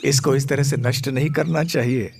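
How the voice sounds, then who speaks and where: A man's voice: medium pitch, fairly even intonation, normal speed, creaky, soft background music, close to an everyday voice. A man voicing a flustered male monkey who guards a garden, pleading and scolding in a story told during a religious talk.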